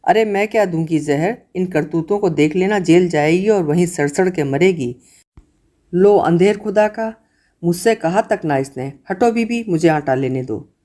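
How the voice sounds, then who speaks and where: A woman's voice: fairly low pitch, measured pace, warm tone, natural voice. A woman voicing a bitter, wrinkled old servant who keeps cursing her own daughter.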